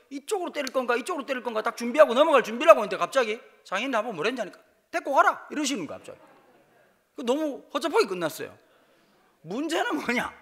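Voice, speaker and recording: A guest pastor from Busan, South Korea, speaking with a Gyeongsang accent, delivers a humorous storytelling sermon at a revival in a church sanctuary. His high, bright voice swings widely in pitch as he jokes through comic personal stories. Lively and playful, he acts out bits of dialogue in dialect.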